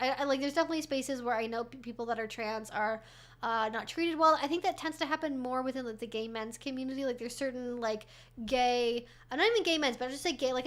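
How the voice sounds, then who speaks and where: Woman in her twenties or thirties, higher voice, casual rambling streamer answering chat questions. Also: fairly bright tone. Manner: rambling, chatty, many fillers and restarts. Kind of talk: casual livestream Q&A.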